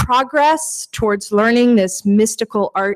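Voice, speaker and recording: A woman speaks with an American accent at a fairly slow pace. The background is quiet. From Virginia, US South. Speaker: architect and educator; educator. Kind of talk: lecture. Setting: stage with audience. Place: hall. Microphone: podium.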